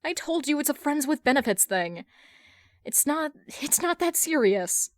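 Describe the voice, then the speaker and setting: A woman's voice: sits high, very animated, moderate pace, dry recording, clean studio sound, pitched above the performer's own voice. A woman voicing a hapless, exasperated grown man who gets defensive and flustered, in a fan fiction reading.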